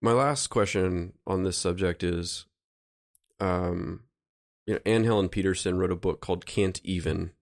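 A man with a low voice leads a thoughtful talk. He explains ideas calmly and keeps checking in with "right?" His voice has a gravelly edge. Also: a little slow. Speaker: host. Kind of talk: reflective conversation.

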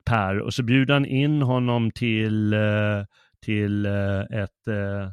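A man's voice: fairly low pitch, flat delivery, smooth, no echo. Man recounting a story with many fillers. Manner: amused, hesitant with many fillers. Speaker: podcast co-host. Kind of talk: casual chat about literature.

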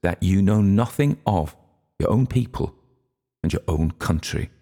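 A man's voice: low-pitched, lively intonation, measured pace, creaky, warm tone, voice pushed up, heavily acted. A man voicing a zealous, teasing young woman who presses with pointed questions. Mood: insistent.

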